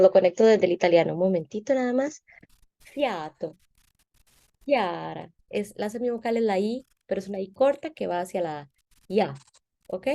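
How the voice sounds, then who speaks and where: Mellow-voiced woman voice teacher. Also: medium pitch. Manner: patient, teacherly, checks in with "¿verdad?". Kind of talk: explanatory interview answers. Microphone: video call.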